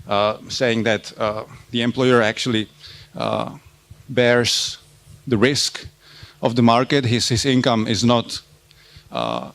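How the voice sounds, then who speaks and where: A man gives an academic conference talk, pausing often and repeating words before he goes on. His voice has a gravelly, creaky edge at a mid pitch. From Czech Republic. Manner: halting, often repeats words while searching for them. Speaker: university lecturer presenting research.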